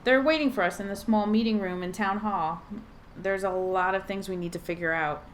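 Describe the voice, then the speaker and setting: A woman acts out a small-town mayor and mother in middle age, in audio drama style. Her voice sits at a medium pitch. She is courteous and direct, welcoming yet weighed down by concern. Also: steady tone, normal speed, slight background noise, close to an everyday voice. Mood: earnest, concerned.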